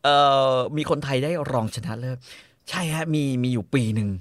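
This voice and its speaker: A man's voice: medium pitch, moderate pace, no room sound, studio quality. A man in casual chat, easygoing, often humming agreement and swearing now and then.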